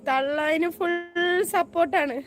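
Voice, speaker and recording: A woman's voice: sits high, steady tone, unhurried. A woman YouTuber with a strained voice after throat surgery, talking in an aggrieved, insistent way in a personal vlog.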